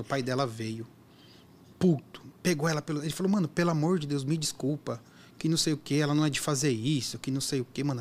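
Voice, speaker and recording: A man chatting casually, an app driver telling animated stories and acting out the voices in them. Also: fairly high pitch. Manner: animated storyteller, acts out quotes. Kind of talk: casual chat.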